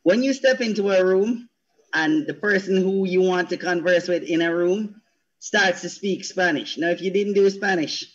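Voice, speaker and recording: A middle-aged man debating in a deliberate, halting way as a panel guest on a video call. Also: high voice, breathy edge, lo-fi sound. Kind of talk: conversational debate. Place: indoor room at home on a video call.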